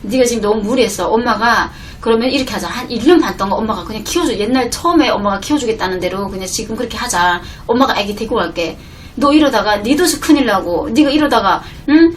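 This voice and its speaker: A woman voicing her worried mother as she scolds and pleads with her grown daughter, speaking lower and more softly than her own voice. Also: lively intonation, quick pace, far from the mic, a little hiss or hum, close to an everyday voice. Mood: worried, firm. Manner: firm, pleading.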